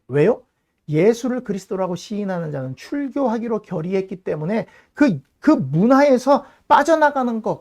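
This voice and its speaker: A pastor tells a Bible story in his sermon and acts out the people in it. His voice is mellow and dark, and his pitch jumps around a lot. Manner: animated storytelling, acting out quoted voices.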